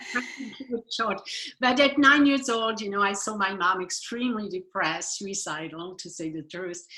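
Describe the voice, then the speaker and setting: Bright and sharp in tone, a woman talks in a French accent at a medium pitch. Her intonation is lively. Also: moderate pace. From France. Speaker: psychotherapist. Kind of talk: podcast interview.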